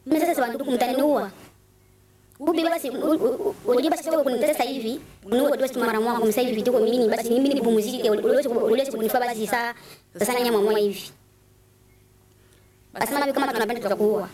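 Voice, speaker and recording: A woman witness giving rapid, stammering, distressed testimony. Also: a little high, darkish tone, reverberant, recorded from a distance.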